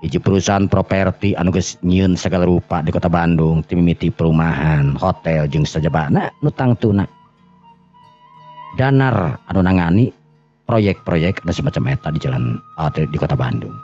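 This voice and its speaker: A man with a very low voice and a Sundanese accent narrates a tale in an informal, oral way. He halts, repeats and corrects himself as he goes. The recording is dull and lo-fi, with music underneath. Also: warm tone. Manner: halting, repetitive, self-correcting. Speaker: storyteller. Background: background music.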